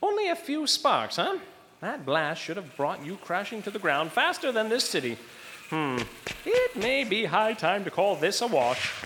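An actor playing a flippant, theatrical mad scientist in an audio drama. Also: male voice, high voice, huge pitch swings, moderate pace, very noisy. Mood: mocking. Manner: flippant, theatrical, self-satisfied. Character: Doctor Herbert West, cheery mad scientist man.

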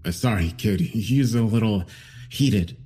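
A man voicing a thin, graying male detective who speaks calmly and tries to coax the suspect. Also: on the low side, measured pace, slightly rough. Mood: gentle. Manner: soothing, placating. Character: calm thin older male good cop.

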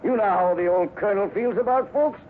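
An actor playing an older crooked Colonel with a folksy, hearty manner in a 1950s radio western, on a scratchy, tinny recording. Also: male voice, sits high, fairly quick, natural voice. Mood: jovial, folksy. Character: scheming crooked Colonel posing as jovial folksy benefactor.

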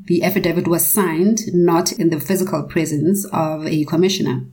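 Woman, low pitch, formal, measured delivery, explanatory, prepared panel discussion. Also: steady tone, dark tone.

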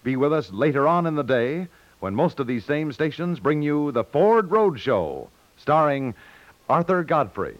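A man's voice: a little high, very animated, unhurried. A man with an American accent doing polished, upbeat scripted announcing in 1950s network radio style. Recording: dull vintage 1950s radio recording.

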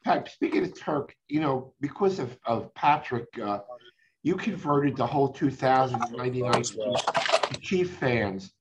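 A man's voice: mid-range voice, expressive, unhurried. A male sports interviewer asking long rambling questions with restarts. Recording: dull lo-fi sound with faint noise.

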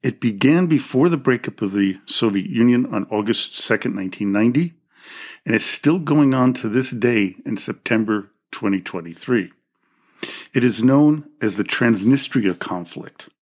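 A man hosting a history podcast, reading a scripted narration with the odd slip and self-correction. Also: mid-range voice. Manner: reads from a script with small slips and self-corrections. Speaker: podcast host.

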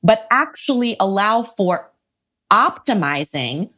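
A woman speaking as a psychologist guest on a podcast, explaining clearly and steadily and listing points. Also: medium pitch, sing-song, slow pace, fairly bright tone. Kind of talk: expert interview answers.

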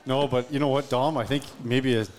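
A man's voice: mid-range voice, level tone, a little fast, darkish tone. A man with a Canadian accent, a hockey coach, talking in a casual interview, upbeat and repeating himself.

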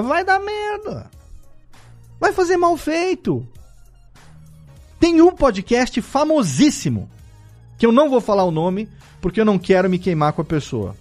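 Animated, lively-voiced host. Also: male voice, extremely high pitch. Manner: animated explainer, frequent "tá?" and "né?" check-ins; blunt and opinionated, swears casually. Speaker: podcast host. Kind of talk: casual live-stream talk on audio production.

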